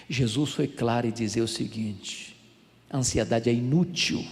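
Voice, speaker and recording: An older man with a Brazilian Portuguese accent preaching a sermon, telling stories, acting out the dialogue and building to loud emphasis. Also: medium pitch, gravelly. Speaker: pastor. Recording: echoey hall with long reverb.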